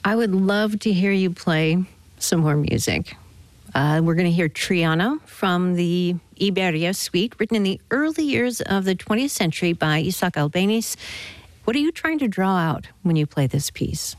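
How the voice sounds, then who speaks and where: A female radio host with a fairly low voice introduces pieces and asks questions in clear, even announcing. Her sound is dry and close to the mic, with no room echo in the studio. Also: normal speed. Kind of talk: scripted radio interview and introductions.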